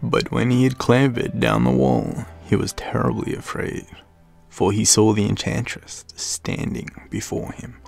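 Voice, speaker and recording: A man with an Australian accent giving dramatic storybook narration, often dropping into a breathy hush. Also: mid-range voice, fairly even intonation, unhurried, faint music behind.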